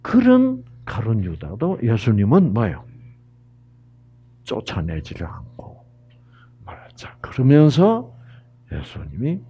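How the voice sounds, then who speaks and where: A middle-aged man preaching a sermon, telling a story and questioning his listeners, dropping to whispers and rising to loud exclamations. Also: mid-range voice, huge pitch swings, slow pace, pauses often, breathy edge, lo-fi sound.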